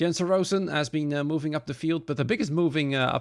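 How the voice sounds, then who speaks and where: A man with a Dutch accent is heard in a very clean recording with a silent background. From Netherlands. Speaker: sim racing commentator. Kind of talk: live commentary. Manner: hesitant, many fillers.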